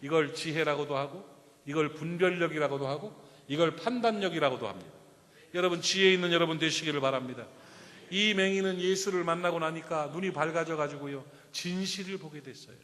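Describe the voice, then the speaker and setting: Lively high-voiced preacher in an echoing church. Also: male voice, brisk. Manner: storytelling preacher, asks the congregation direct questions. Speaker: pastor. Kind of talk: sermon. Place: church sanctuary. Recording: reverberant church hall.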